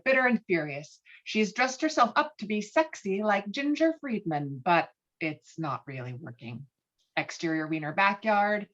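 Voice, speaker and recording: A woman narrates stage directions for a script read. Her mid-pitched voice moves animatedly up and down, and the audio is slightly dull and lo-fi. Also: fairly bright tone. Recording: dull, lo-fi online call audio.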